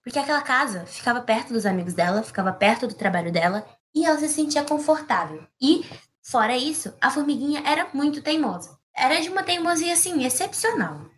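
A woman's voice: sits high, lively intonation, brisk. A woman improvising a children's story, playful and rambling with asides.

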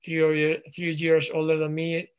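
A man in his thirties speaks English with a Spanish accent, in a fairly high voice. He answers interview questions slowly, pausing often and restarting his sentences. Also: completely flat delivery, smooth. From Spain. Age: 30s. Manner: halting, frequent ums and restarts. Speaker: guest, professional footballer.

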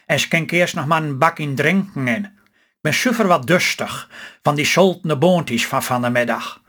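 A man with a Stellingwerfs accent voicing a gruff, doubtful older farmer in a read-aloud story. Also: on the high side, moderate pace, a bit bright. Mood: grumbling. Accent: Stellingwerfs Low Saxon. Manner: grumbling, doubtful.

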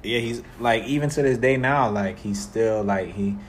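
Man, young adult, very deep voice, relaxed and reflective, casual interview talk. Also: moderate pace, slight background noise. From South Florida. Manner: relaxed, reflective, with many fillers. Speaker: guest music artist.

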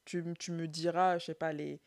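A woman's voice: low-pitched, little pitch movement, normal speed, creaky, a little mellow. A woman co-hosting a casual podcast chat, asking questions and giving short replies. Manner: questioning, brief backchannels.

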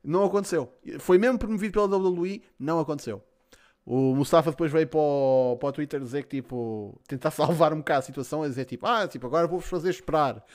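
A man's voice: on the high side, fast, darkish tone. A man with a European Portuguese accent, hosting a podcast and reading out listener questions in casual, slangy talk with some swearing. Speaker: podcast host.

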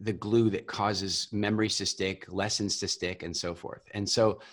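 A man guest on an interview, telling parenting stories in a casual, animated way and often repeating words as he starts. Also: on the low side, moderate pace. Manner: animated storyteller, acts out voices. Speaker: guest, parenting and business coach.

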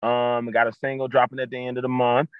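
A man's voice: medium pitch, monotone, fairly quick, clean tone, no room sound, narrow, tinny audio. A man in his thirties, a guest and football coach, talking casually on a podcast with many fillers and restarts. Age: 30s.

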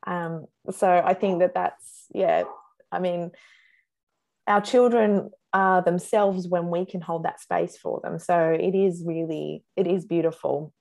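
A woman's voice: fairly low pitch, measured pace, creaky. Earnest woman telling parenting stories. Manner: earnest, animated storyteller, says "like" often. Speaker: guest, mother. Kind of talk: conversational interview answers.

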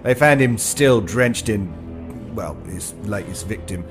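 An actor playing a polite, wry, uncanny fantasy shopkeeper in a horror audio drama. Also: male voice, on the low side, expressive, takes it slowly. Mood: genteel, insistent. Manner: polite, wry, arch phrasing. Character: courteous, droll, uncanny fantasy shopkeeper, male. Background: music.

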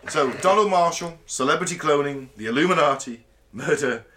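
A man's voice: fairly high pitch, moderate pace, a little hiss or hum. A British man co-hosting a podcast, chatting casually and comically, swearing and laughing while reading out news stories. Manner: animated, sweary, laughs often, reads news aloud. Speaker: podcast co-host. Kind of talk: casual comedic chat.

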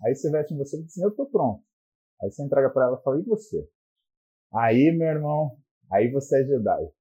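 A man's voice: mid-range voice, racing, warm tone, breathy edge, rough recording. A man with a Brazilian Portuguese accent giving blunt, profane relationship advice in a crude comic monologue.

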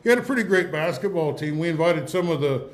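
A man with an American accent hosting a casual live radio interview, chatty and joking, with halting delivery. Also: a little high, animated. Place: public venue used for a live broadcast.

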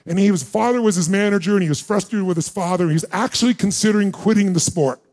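Middle-aged guy on stage, high voice, punchy storytelling, acts out the dialogue, quizzes the crowd. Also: quick pace, a little mellow. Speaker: motivational speaker. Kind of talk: live seminar storytelling to an audience.

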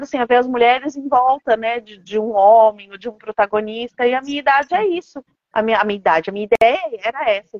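A Brazilian woman with a fairly high voice talks as an author in an interview. She explains things earnestly and conversationally, often adding little check-in tags. The sound is roomy and echoey, and somewhat dull and lo-fi. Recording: echoey room, dull lo-fi audio.

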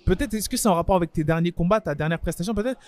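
A man's voice: high-pitched, racing, darkish tone. A man interviewing a fighter, asking long, rambling questions in a casual tone.

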